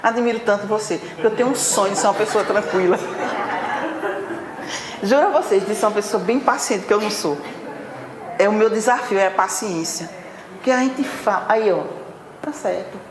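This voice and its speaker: Animated woman in an echoey hall. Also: medium pitch. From Northeast Brazil. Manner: chatty and animated, acting out everyday scenes. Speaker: lecturer at a spiritist center. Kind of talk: spiritual talk to a live audience. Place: meeting hall of a spiritist center. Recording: roomy hall, faint background noise.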